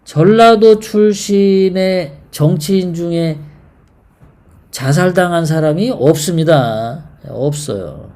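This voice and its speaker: Live stream commentary host; slow delivery, mellow voice, halting, many fillers, rhetorical questions to the audience. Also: mid-range voice. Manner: rambling, poses rhetorical questions to viewers.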